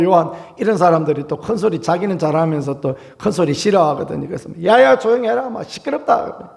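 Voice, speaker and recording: High, gravelly-voiced pastor preaching. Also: male voice, a little mellow. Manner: earnest preaching, rising into emphatic calls; acts out quoted cries with raised voice. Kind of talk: early-morning sermon.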